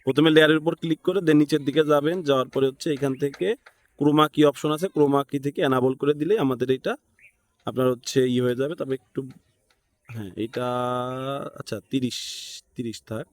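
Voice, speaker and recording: A tutorial instructor with a Bangladeshi accent teaches an informal, step-by-step screen tutorial. His voice is medium-pitched with fairly even intonation, and he talks fairly quickly, thinking aloud and checking in with listeners.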